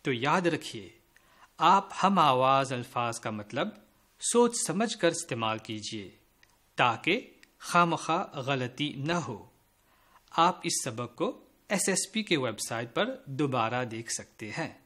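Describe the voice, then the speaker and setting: A man teaching a school lesson to children, speaking slowly and spelling out words letter by letter as he addresses the pupils directly. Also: mid-range voice, expressive, pushed and bright. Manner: slow, careful spelling out of letters.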